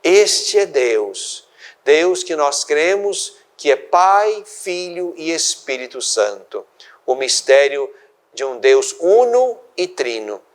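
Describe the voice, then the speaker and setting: Slow, measured older Brazilian bishop. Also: male voice, fairly high pitch, sing-song. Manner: slow, deliberate, measured phrasing. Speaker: bishop hosting a religious program. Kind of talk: sermon-like reflection.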